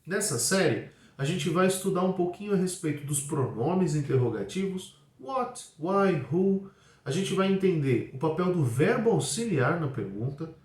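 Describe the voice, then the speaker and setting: A man's voice: high voice, very animated, darkish tone, recorded from a distance. Brazilian man teaching in an echoey room. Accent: Brazilian Portuguese. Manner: explains clearly, models English sentences slowly. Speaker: English teacher. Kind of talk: video lesson in Portuguese.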